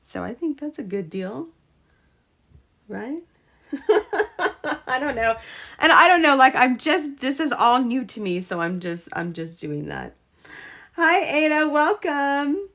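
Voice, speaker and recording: A woman hosting a casual live crochet stream, chatting with viewers, her voice a little hoarse from a cold. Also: high voice, sing-song, slow pace, pauses often, a bit bright. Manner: chatty, greets viewers, trails off and restarts. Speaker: crochet livestream host.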